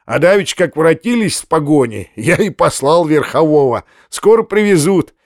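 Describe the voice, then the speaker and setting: A man voicing a fat, fawning older landowner in an audiobook, speaking low and folksy. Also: animated, moderate pace, no room sound, studio quality.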